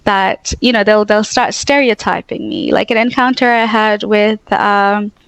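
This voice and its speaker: A young Tanzanian woman, a guest in a casual interview, tells stories in a talkative, animated way and uses "like" a lot. Her accent is mostly American with Australian and English touches. Her voice is medium-pitched, slightly slow, creaky and clean, with no room sound, though the recording is low quality.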